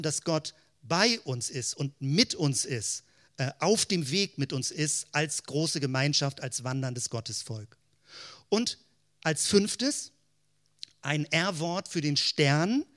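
A man's voice: on the high side, lively intonation, slow pace, a bit bright. A man giving a theological teaching talk, explaining step by step in keyword lists and asking rhetorical questions. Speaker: Christian teacher.

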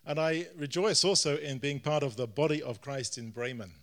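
A middle-aged man from London with a British accent gives an informal church address in short phrases, pausing for an interpreter. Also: fairly high pitch, a bit bright. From London, Britain. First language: English. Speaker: guest pastor preaching.

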